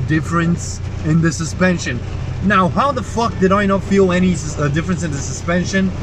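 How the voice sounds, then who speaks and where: The sound is dry with no echo, though noticeable background noise runs underneath. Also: man. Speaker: car vlogger. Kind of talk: casual vlog chat. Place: car. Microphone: phone near.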